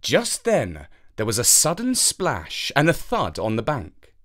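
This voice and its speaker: A storyteller reading a scripted children's fairytale with expressive, careful phrasing. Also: mid-range voice, unhurried.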